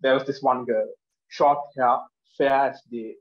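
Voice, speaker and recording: A Sri Lankan man in his twenties, a speech contestant, stands in his living room and gestures with both hands through an earnest, emphatic prepared speech. His mid-range voice stays steady and measured. A laptop camera across the room picks him up while he wears headphones, giving a dull, lo-fi, echoey sound.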